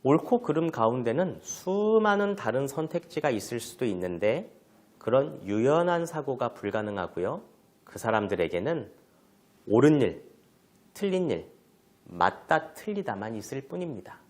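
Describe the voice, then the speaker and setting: Lively-pitched male lecturer. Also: normal speed. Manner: explanatory, with lively pitch swings and acted examples. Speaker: lecturer at a parent academy. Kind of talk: online lecture.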